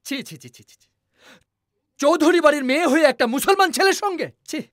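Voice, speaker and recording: An actor playing a hot-headed, threatening young son of a powerful family in a film drama, aggressive and impatient. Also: male voice, very high-pitched, lively intonation, fairly quick, a bit bright, dry recording, studio quality. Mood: outraged.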